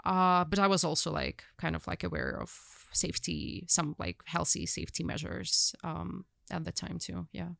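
A woman's voice: fairly low pitch, expressive, moderate pace, vocal fry, hardly any pauses, a bit bright, no echo, clean studio sound. A young woman with a Ukrainian accent, a journalist guest telling her story in casual conversation, rambling with many fillers and restarts.

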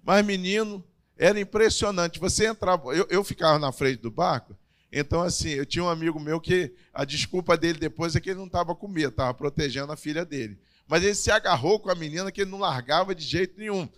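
Hoarse-edged Brazilian preacher man. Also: fairly high pitch, quick pace, fairly bright tone. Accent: Brazilian Portuguese. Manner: conversational, building up energy when storytelling. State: voice still recovering, slightly hoarse. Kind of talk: sermon.

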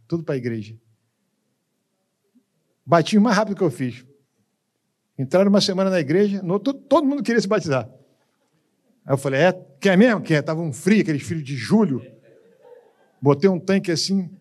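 Dramatic Brazilian pastor, hushed then loud. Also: male voice, a little high. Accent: Brazilian Portuguese. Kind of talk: sermon with storytelling. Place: church.

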